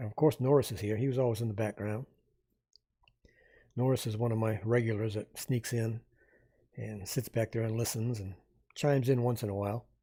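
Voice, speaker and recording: A quiet, somewhat breathy man's voice at a medium pitch with a dark, mellow tone, fairly even intonation, a fairly quick pace and long, frequent pauses, on a very clean recording with a silent background. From New Hampshire. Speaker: livestreamer. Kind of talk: casual live stream chat.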